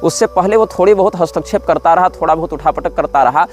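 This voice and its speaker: Guy giving a religious discourse, formal and emphatic, bit of a higher voice, soft music under it. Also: quick pace. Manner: formal, explanatory, rising emphatic stresses. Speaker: spiritual teacher.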